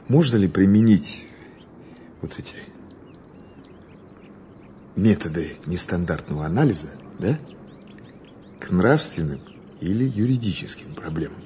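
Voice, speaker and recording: An actor playing a patient, quietly authoritative criminal investigator who asks measured, informal questions in an audio drama. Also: male voice, sits low. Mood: calm, thoughtful. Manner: measured questioning, informal, alternating soft and firm. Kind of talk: Russian audio drama acting. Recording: noticeable background noise.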